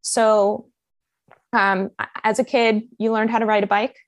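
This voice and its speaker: An American-accented woman from Colombia speaks as a guest in a conversational interview. Her mid-pitched voice is recorded very dry and close, and she tells stories earnestly, with frequent ums and restarts. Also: flat delivery, unhurried, no echo. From Colombia, raised in Miami. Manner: earnest storytelling with fillers. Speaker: life coach, podcast guest.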